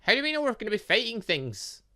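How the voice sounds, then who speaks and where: A man hosts a gaming let's play in a bright, forceful voice. His pitch moves about a lot as he rambles through his thoughts and switches between reading text aloud and commenting on it. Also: sing-song, quick pace. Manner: rambling, thinking out loud. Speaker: gaming channel host.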